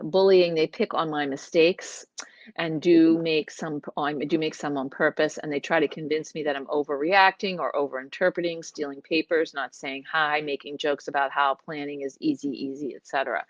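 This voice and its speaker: Middle-aged woman hosting a webinar, conversational and a bit halting, low-pitched, flat lo-fi dry audio. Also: dry recording. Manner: conversational, halting with fillers and restarts, reading questions from chat. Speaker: clinical psychologist hosting a webinar. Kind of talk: casual webinar talk.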